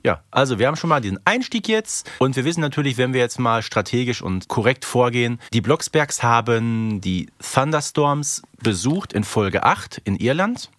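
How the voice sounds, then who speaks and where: A man's voice: mid-range voice, expressive, moderate pace, few pauses, a bit bright, dry recording, clean studio sound. A man co-hosting a podcast, recapping a story in an analytical, conversational way with frequent rhetorical tag questions. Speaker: podcast co-host.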